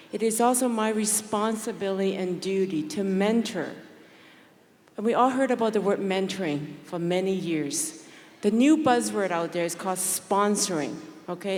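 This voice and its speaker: A woman's voice: mid-range voice, a little mellow. A woman legislator giving an earnest, exhorting speech at a gala dinner. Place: banquet hall. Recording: long reverb in a large hall.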